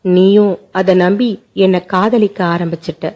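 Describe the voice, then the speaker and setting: A woman's voice: mid-range voice, fairly even intonation, normal speed, lo-fi sound, close to an everyday voice. A woman voicing a remorseful, tearful young man who pleads with the woman he loves, in a told family story. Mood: pleading. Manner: pleading, sobbing delivery. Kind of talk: storytelling narration.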